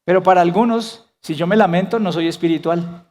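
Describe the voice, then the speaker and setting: High-voiced man preaching in a reverberant hall. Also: brisk, darkish tone. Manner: earnest preaching, rhetorical questions to the congregation. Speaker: pastor. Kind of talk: sermon.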